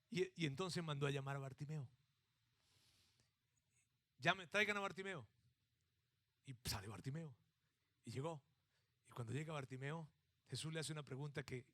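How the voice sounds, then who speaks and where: In a mid-range voice, a middle-aged Mexican-accented pastor from Mexico delivers a sermon. His animated narration shifts from acted-out shouting to hushed emphasis.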